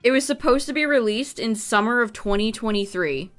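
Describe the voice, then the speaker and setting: Young woman streamer, voice going hoarse. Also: fairly high pitch, a little fast, a bit bright, soft background music. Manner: chatty, reading out notes with asides. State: losing her voice. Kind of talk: casual livestream chat to viewers.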